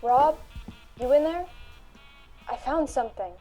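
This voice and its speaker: A woman plays a caring, earnest female friend in a radio play. Her voice is fairly high with a mellow, soft tone, and music plays underneath. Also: unhurried, poor audio. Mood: searching. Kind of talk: amateur radio drama acting.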